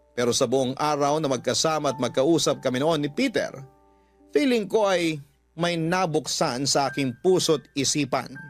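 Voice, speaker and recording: A man's voice: fairly high pitch, natural voice. A man reading a confessional love letter aloud as a dramatic scripted narration. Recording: music bed under the voice. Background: music.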